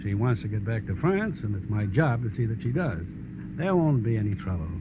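A man's voice: on the low side, big pitch swings, brisk, phone-quality sound. Fatherly american cop in 40s radio show, wry and folksy, very up and down delivery, noisy old audio. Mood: wry, paternal. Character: seasoned lawman, paternal, folksy, slyly good-humored. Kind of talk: 1940s radio detective acting.

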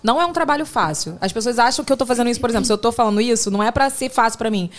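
A Brazilian woman hosting a podcast who chats and tells stories in a lively, animated way. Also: fairly high pitch, racing. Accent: Brazilian Portuguese. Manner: chatty, animated storytelling. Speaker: podcast host. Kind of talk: casual podcast chat.

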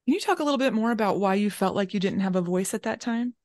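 A woman interviewing an author, talking casually with lots of "like" and "um" and giving soft agreement sounds while her guest speaks. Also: medium pitch, animated, fast. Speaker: podcast interviewer. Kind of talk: conversational interview.

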